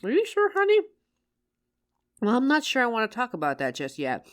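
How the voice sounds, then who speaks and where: Woman acting an expressive, loving, teasing wife. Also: fairly high pitch, a little fast. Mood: surprised, relieved. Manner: affectionate, playful, expressive. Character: loving, teasing working wife, tired after work. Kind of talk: intimate roleplay audio addressed to listener.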